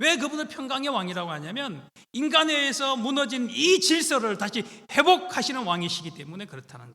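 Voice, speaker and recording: A man's raised, projected voice at an extremely high pitch, very fast, with very wide pitch swings and big swings in loudness. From Korea, region bordering Gyeongsang. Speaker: seminary professor, retreat speaker. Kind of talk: sermon. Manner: stiff, hard-sounding speech.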